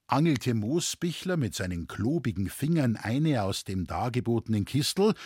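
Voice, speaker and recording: A man reading a story aloud as a calm, measured narrator. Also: mid-range voice, husky, no room sound, studio quality. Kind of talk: scripted narration.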